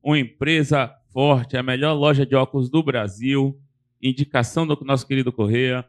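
A man co-hosting a live podcast, explaining the show's logistics and reading sponsor copy in a steady, orderly way. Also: mid-range voice, normal speed. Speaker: co-host, reads sponsor ads.

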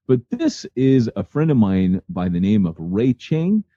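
A man's voice: fairly low pitch, big pitch swings, a little slow, warm tone, dry recording, lo-fi sound. A man co-hosting a podcast and introducing a guest in a playful, teasing way. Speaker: podcast co-host, interviewer. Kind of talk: casual podcast interview.

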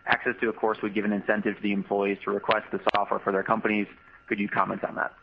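A man's voice: fairly low pitch, little pitch movement, fast, vocal fry. A man moderating an earnings call, handing over to speakers and reading out submitted questions. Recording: muffled call audio with faint noise.

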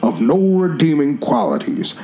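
A man voicing a bombastic movie-trailer announcer for a comedy audio drama, in dramatic, drawn-out melodrama. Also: a little high, very animated, dark tone. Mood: ominous. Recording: roomy echo with music underneath.

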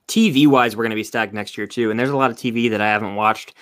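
A man's voice: fairly low pitch, fairly even intonation, fast talker, a bit bright, dry recording, clean studio sound. A young man co-hosting a podcast in casual chat, rambling and hedging with frequent "like". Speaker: podcast co-host.

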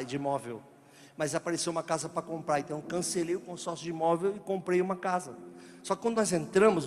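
A man with a Brazilian Portuguese accent preaching a sermon as a joking, animated story, acting out the dialogue as he goes. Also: on the high side. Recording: reverberant hall with music behind.

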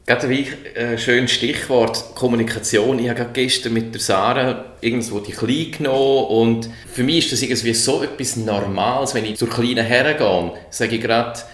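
A man's voice: medium pitch, steady tone, moderate pace, few pauses, a bit bright, roomy sound. A man with a Swiss German accent, a new father, chatting and asking questions in a casual conversation. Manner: chatty, asks questions, shares his own experience as a father.

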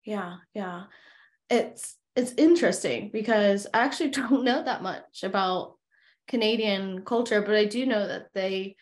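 A woman's voice: mid-range voice, a little slow. A young woman hosting a podcast interview, chatting casually with many fillers and restarts. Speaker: podcast host.

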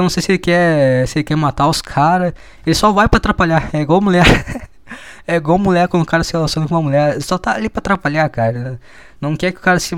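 Young man, fairly high voice, dry close sound, swearing and rambling through a sardonic rant. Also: no echo. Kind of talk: casual monologue.

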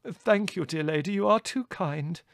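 A man's voice: high voice, normal speed, creaky, no echo, studio quality, voice pushed up. A man voicing a pompous, emotional military colonel in a storybook reading. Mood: courteous. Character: pompous military colonel, roaring commands, tearfully mortified apologies. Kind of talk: audiobook character voice.

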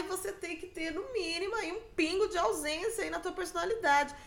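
A woman's voice: high-pitched, fairly bright tone, roomy sound. A Brazilian woman hosting a podcast alone, chatting casually and mockingly with frequent laughs. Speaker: podcast host. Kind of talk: casual gossip monologue. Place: room at home.

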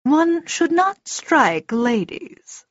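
A woman voicing a small male dark-elf warrior in an audiobook, calm, formal, measured and pitiless. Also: sits high, no echo, dull audio, pitched above the performer's own voice, full character voice. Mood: calm, stern. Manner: formal, measured, quiet, emotionless.

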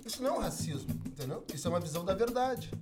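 A man's voice: high-pitched, lively intonation, very fast, over loud music. A man in casual podcast chat, talking earnestly and often ending with a question tag. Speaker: podcast co-host.

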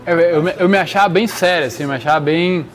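A man's voice: high-pitched, fast. A man speaking casually and earnestly, giving slangy personal advice directly to listeners. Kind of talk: casual motivational talk.

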